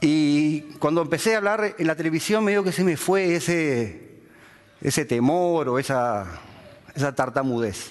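With lively intonation and very even loudness, the voice moves at a fairly slow pace. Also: man. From Paraguay (Asunción), born in Uruguay. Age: 40s. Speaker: TV chef. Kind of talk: talk to an audience. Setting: stage with audience. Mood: warm, humorous. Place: stage.

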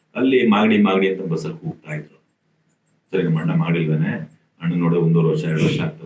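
A man with a very deep, low pitch speaks with very wide pitch swings. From Karnataka Malnad, near Thirthahalli. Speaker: theatre and TV actor. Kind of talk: interview. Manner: halting.

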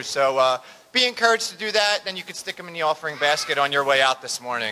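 A man talking at a very fast pace, with ordinary pitch variation. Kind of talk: church announcements. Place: church. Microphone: studio mic.

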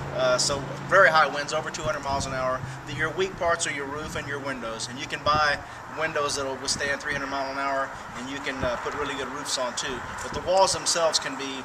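Loud noise fills the background. Over it, the man rattles along at a very fast speed. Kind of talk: interview answer. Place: street. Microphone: camera far.

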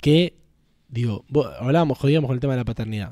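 The man's dark, mellow voice moves at a fairly quick pace. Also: quiet background. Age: 20s. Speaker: political scientist; podcast guest or host. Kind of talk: casual political chat. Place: studio. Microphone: studio mic.

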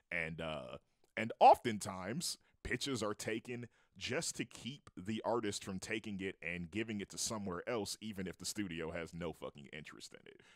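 A normal speaking voice at a moderate pace, with big swings in loudness and a dry, close sound with no echo. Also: man, fairly low pitch for a man, ordinary pitch variation. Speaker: animator and video creator. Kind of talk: casual commentary. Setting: solo home recording. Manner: rambling, profane, casual; angry, indignant rant, heated and cursing.

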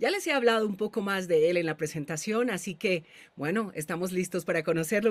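A woman speaks against a quiet background. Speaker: voice and speaking coach, interview host; speaking coach, interview host. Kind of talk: interview. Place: home room.

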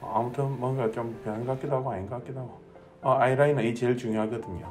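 With music in the background, a man in a Gyeongsang accent talks at a very fast pace with fairly even intonation. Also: medium pitch for a man. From Gyeongsang Province, South Korea. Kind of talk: playful comic voice-over dubbing of makeup video. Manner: joking, casual, bemused.

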